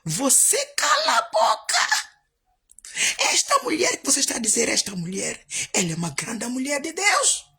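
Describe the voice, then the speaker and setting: A woman voicing a female church elder who scolds someone in a shrill, commanding way. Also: huge pitch swings, normal speed, pushed and bright, exaggerated voice. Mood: furious. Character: church elder woman shouting a furious rebuke.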